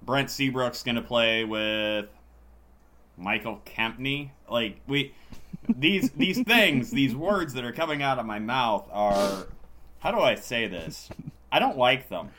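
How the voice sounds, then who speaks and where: A man's voice: mid-range voice, expressive, takes it slowly, pushed and bright, slight background noise. A hungover man co-hosting a casual sports podcast, talking in a dry, sardonic way. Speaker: podcast host.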